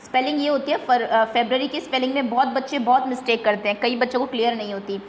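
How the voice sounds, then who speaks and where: A woman, a teacher leading a slow, patient quiz lesson for young pupils and repeating words carefully. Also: a little high, fairly even intonation, roomy sound, slight background noise. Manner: patient, repeats slowly, mixes English terms.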